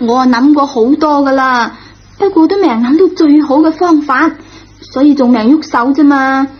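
A woman's voice: high voice, moderate pace, close to an everyday voice. A woman playing a contrite, naively frank teenage schoolgirl, earnest and hesitant, in a Cantonese radio drama. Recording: dull lo-fi old radio recording.

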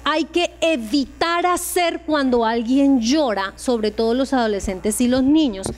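A woman's voice: high-pitched, measured pace, a little mellow. A Colombian woman giving an informal talk on emotional support to tutors, asking her listeners direct questions and acting out short dialogues. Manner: acts out short dialogues in changed voices.

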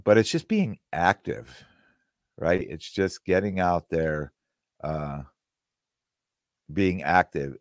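A middle-aged man with a slightly low, somewhat hoarse voice rambles through his own podcast, circling back and restarting words as he goes. He sits close to a studio mic, and the sound is dry with no room echo. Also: a little mellow. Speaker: podcast host. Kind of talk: solo podcast monologue. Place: small room with green-screen backdrop. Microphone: studio mic on boom arm.

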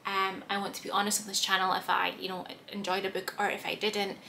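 A young woman with a slightly hoarse voice, chatting to camera as a book vlogger in a small room, rambling with lots of fillers. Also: medium pitch, monotone, fast, pushed and bright, slight background noise. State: slightly hoarse, clearing throat. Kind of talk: casual chat to camera. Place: small room with bookshelves, indoors.

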